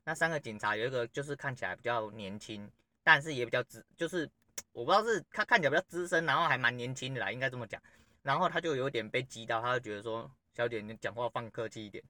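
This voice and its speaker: A man's voice: medium pitch, lively intonation, fast talker, pushed and bright, dry recording. A man hosting a podcast, telling a personal story in a blunt, rambling way and swearing freely. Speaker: podcast host. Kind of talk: casual storytelling monologue.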